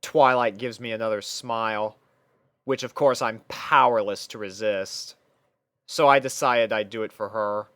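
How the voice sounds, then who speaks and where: Clear-voiced man narrating fan fiction, dry recording. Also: mid-range voice, fairly bright tone, no room sound. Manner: conversational first-person storytelling with acted dialogue lines. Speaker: narrator and reader playing the first-person lead.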